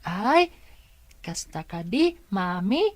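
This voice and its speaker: Actress as young boy, inquisitive and polite, unhurried delivery, dry sound, Ilocano drama. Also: medium pitch, big pitch swings, dry recording. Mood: eager, polite. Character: curious, chatty, polite young boy named Barok. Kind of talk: Filipino radio drama acting in Ilocano.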